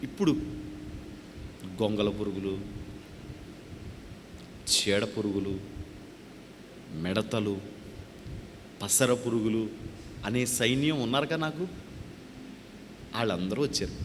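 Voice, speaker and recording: A man preaching a testimony sermon as a pastor, with a Telugu accent, calling out to the congregation and then dropping low to tell his story. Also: takes it slowly, pauses often, background noise. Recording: hall reverb with faint ambience.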